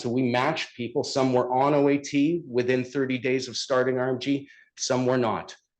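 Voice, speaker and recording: The speaker is a man with a plain, everyday voice. He talks at a moderate pace, and his pitch sits in the medium range. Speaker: health researcher presenting a study. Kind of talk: research seminar presentation.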